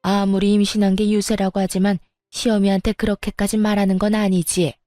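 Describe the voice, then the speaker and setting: A woman's voice: mid-range voice, little pitch movement, a little fast, mellow, dry recording, studio quality, close to an everyday voice. A woman voicing a scheming, spiteful older mother-in-law who sneers and scolds, while narrating a story. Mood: scolding. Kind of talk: storytelling narration with acted dialogue.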